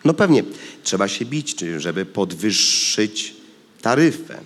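A man's voice: fairly low pitch, sing-song, measured pace, fairly bright tone, long reverb tail, exaggerated voice. A man reading the part of a stubborn, grumpy male taxi driver who talks bluntly.

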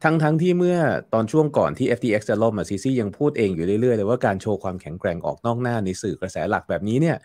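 Guy with a lowish voice walking through his take, lots of fillers and stumbles, dry close sound. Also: lively intonation, racing, few pauses, mellow, no echo. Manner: explanatory, with frequent fillers and repeated words. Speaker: guest commentator. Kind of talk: casual interview talk.

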